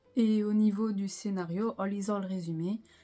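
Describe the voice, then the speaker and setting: With music in the background, a woman talks at a fairly slow pace. Her pitch is medium and her intonation fairly even. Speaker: manga YouTuber. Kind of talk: casual haul video review. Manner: hesitant with many fillers.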